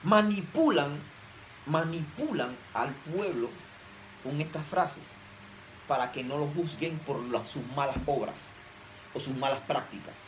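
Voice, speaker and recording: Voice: medium pitch, animated, a little slow, a little hiss or hum, poor audio. A preacher giving an emphatic sermon, often posing rhetorical questions to the audience.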